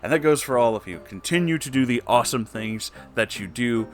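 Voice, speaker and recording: A man with a mid-range voice reads stories and chats as an online host. His delivery is expressive, informal and peppered with profanity. Quiet guitar music sits behind him. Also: medium pitch, a little fast. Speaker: online story reader and host. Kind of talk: expressive story reading and casual commentary.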